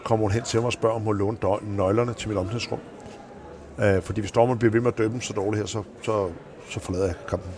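A man, a former handball coach, telling animated stories in an interview and acting out the people he quotes. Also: fairly low pitch, a little hiss or hum. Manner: animated, acts out quoted voices in anecdotes. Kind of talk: anecdotal interview storytelling.

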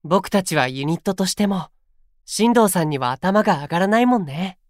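A sweet, earnest young male idol in a Japanese voice drama. He speaks softly and politely in a light, boyish voice, recorded dry and close. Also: sits high, expressive, moderate pace, dry recording. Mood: fond. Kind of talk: Japanese anime-style voice drama acting.

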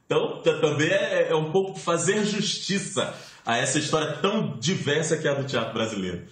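A Bahian man talks as a guest on an interview show, his voice sitting a touch high and swinging widely as he tells his story. The sound carries a noticeable room echo. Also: brisk. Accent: Bahian Portuguese. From Salvador, Bahia, Brazil. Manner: animated storyteller, expressive swings. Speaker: actor and guest. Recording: roomy echo.

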